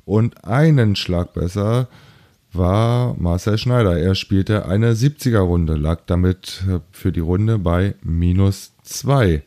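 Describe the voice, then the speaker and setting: A man with a low, mellow voice presents golf results as a show host. His delivery is slow and unhurried, in a casual commentary style with a soft, dark tone.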